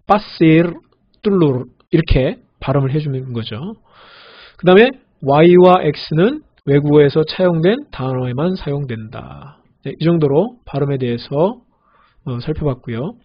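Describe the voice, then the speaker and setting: Male language teacher, breathy voice, steady lecture pace, repeats example words carefully, muffled recording. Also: a little high. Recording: dull lo-fi audio.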